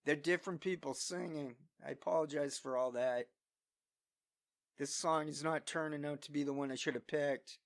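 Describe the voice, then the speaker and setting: A man's voice: a little high, fairly even intonation, normal speed, no echo. Scratchy-voiced man rambling into a good mic. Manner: self-deprecating, thinking aloud. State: voice scratchy from singing. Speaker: solo vlogger. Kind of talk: unscripted rambling between singing attempts. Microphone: studio-quality microphone.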